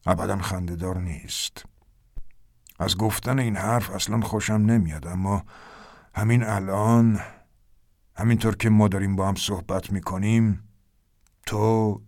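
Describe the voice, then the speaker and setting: A man voicing a grave, white-browed older man who speaks in a low, slow, measured hush. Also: no echo, studio quality, natural voice.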